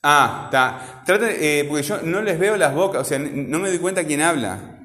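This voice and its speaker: A man's voice: a little high, animated, normal speed, bright, forceful tone, soft background music. A man teaching a classroom grammar lesson, asking questions patiently and repeating key points. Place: classroom with a voice-bouncing echo. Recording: echoey classroom with long reverb.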